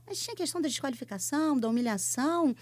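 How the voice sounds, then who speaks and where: Lively Brazilian woman psychologist. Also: high voice, very fast, no echo. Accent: Brazilian Portuguese. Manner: animated storytelling with many fillers. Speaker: psychologist guest. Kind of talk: casual podcast conversation.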